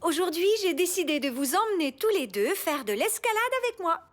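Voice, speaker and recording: A woman voicing a kind, easygoing young mother in a children's cartoon, gentle and expressive. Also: very high-pitched, a little fast. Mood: upbeat. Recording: music behind the voice.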